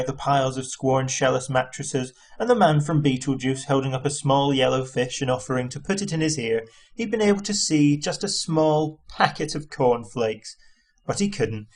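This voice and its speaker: A man's voice: mid-range voice, normal speed. A man reading a story aloud as an amateur audiobook narrator, in scripted narration.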